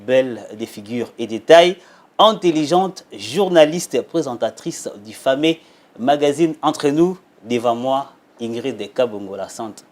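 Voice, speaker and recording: A man's voice: medium pitch, darkish tone. A man hosting a television magazine interview, giving emphatic, flowery introductions and asking questions. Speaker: talk show host.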